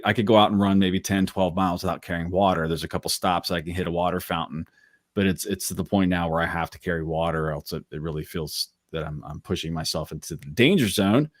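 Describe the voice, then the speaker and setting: Very deep-voiced man in his forties. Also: no echo, studio quality. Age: 40s. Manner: chatty, rambling with many restarts. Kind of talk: casual chat.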